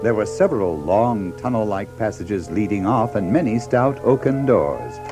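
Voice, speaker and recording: A man narrating a children's story from a script, with measured, dramatic phrasing. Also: fairly low pitch, animated. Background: music.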